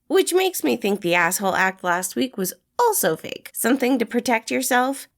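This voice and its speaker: Woman playing a man, blunt and flirty, raised pitch, emphatic slangy talk, storybook dialogue. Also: sing-song, normal speed. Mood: teasing, confident. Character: brash, teasing, flirty man, excitable and blunt. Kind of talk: acted storybook dialogue in fan fiction reading.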